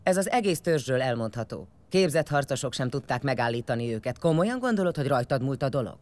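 An actress playing a middle-aged, foul-mouthed tribal warrior leader in an audio drama, blunt, scornful and commanding. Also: female voice, a bass voice, animated, a little mellow. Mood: stern, blunt.

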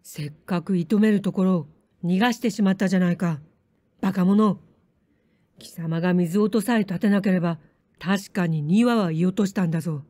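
A woman's voice: lowish voice, moderate pace, warm tone, no room sound, close to an everyday voice. A woman voicing an arrogant spoiled young lord who scolds harshly in a samurai-era story. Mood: furious.

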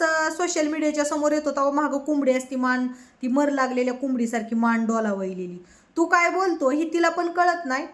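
A woman delivering a heated, mocking political rant, scolding her target. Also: on the high side. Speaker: political commentator.

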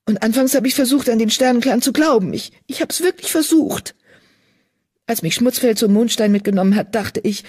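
A woman's voice: darkish tone, husky, natural voice. A woman voicing an anxious, guilt-ridden young female medicine cat in an audiobook, pleading and distressed. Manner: pleading, distressed, voice raised high. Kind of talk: audiobook character voice.

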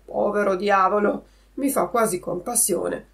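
A woman voicing a gruff but kindly male puppet-show master in a storybook reading. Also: medium pitch, unhurried, close to an everyday voice.

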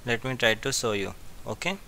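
A man giving a step-by-step software tutorial as an instructor, repeating his phrases as he goes. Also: medium pitch, lively intonation, a little fast, creaky, slight background noise. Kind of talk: screen-share software tutorial.

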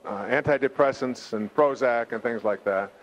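A man's voice: mid-range voice, moderate pace, muffled recording, lightly acted. A man voicing a frantic, distraught middle-aged woman who gushes and pleads breathlessly. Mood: pleading.

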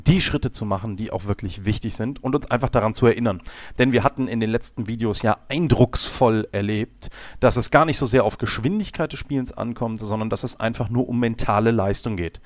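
Man, lowish slightly hoarse voice, calm instructional replay commentary, dry close sound. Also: no echo. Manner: calm, explanatory, with frequent fillers and self-corrections. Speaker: game coach.

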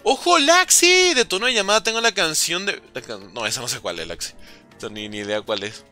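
A young man streaming a game, chatting casually with viewers and calling out their names in an excitable, slangy way. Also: mid-range voice, fast, soft background music. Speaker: gaming livestreamer. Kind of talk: casual livestream chat while playing, reading chat aloud.

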